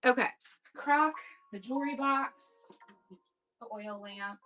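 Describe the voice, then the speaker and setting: A woman's voice: on the high side, slow pace, pushed and bright, faint music behind, poor audio. Chatty woman auctioning thrift finds live. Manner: chatty, upbeat, thanks bidders by name. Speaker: online live-auction seller. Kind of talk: casual live-selling chat. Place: home at night.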